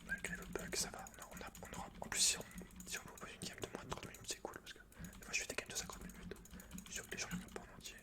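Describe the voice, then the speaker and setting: A man's voice: racing, pushed and bright. A man whispering casual, slangy ASMR gameplay commentary close to the mic in a teasing way. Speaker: gaming ASMR host. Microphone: close microphone. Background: computer keyboard typing.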